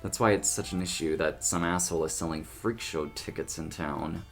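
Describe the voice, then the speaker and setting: A man playing a sardonic yet apologetic male cryptid with a flamboyant streak, expressive and wordy, in an audio drama. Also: low voice, moderate pace, soft background music. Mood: bitter.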